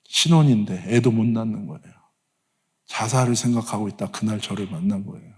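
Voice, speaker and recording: A man preaching as a guest pastor, leading the congregation in call and response and telling stories in an animated way. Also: on the low side, fairly quick. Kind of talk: sermon. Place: church sanctuary. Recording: long church hall reverb.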